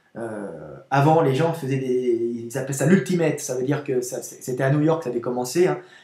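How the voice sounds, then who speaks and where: Speaking at a fairly slow pace, a man sounds somewhat breathy with lively intonation. Audible room echo surrounds his voice. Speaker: strength training author and pull-up specialist. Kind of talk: casual Q&A video monologue. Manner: conversational, many hesitations.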